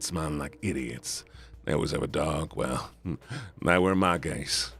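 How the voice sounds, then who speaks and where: Game vampire, male, Southern drawl, gruff and sardonic; man voices him, deep and slow. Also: fairly bright tone, full character voice.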